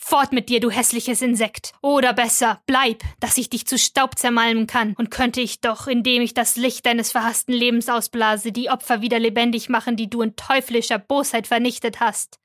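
A woman's voice: a little high, little pitch movement, moderate pace, few pauses, a bit bright, close to an everyday voice. A woman reading the part of a young male scientist, hurling furious, declamatory curses. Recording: dry close studio sound.

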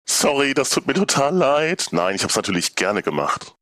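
A man chatting casually as a podcast guest, often halting as he searches for words. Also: medium pitch, big pitch swings, a bit bright, no echo. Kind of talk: casual chat.

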